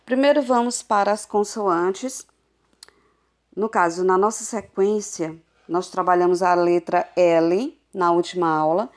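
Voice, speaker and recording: A woman teacher giving a recorded adult literacy lesson over a phone, sounding out syllables slowly and patiently. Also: lowish voice, steady tone. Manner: slow, patient, drawn-out syllables.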